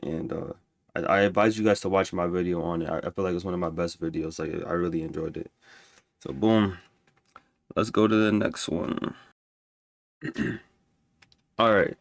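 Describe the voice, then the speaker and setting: A man's voice: low-pitched, steady tone, normal speed, vocal fry, long pauses, dry recording. A man with a stuffy nose ranking music albums in casual, rambling talk full of restarts and fillers. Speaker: music reviewer.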